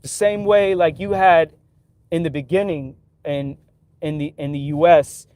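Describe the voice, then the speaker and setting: A man's voice: a little high, fairly even intonation, unhurried, a little mellow. Chatty New guy, street talk. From New York City. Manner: loose street talk full of "like", "yo" and "right?". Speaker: livestreamer. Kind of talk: casual opinionated monologue.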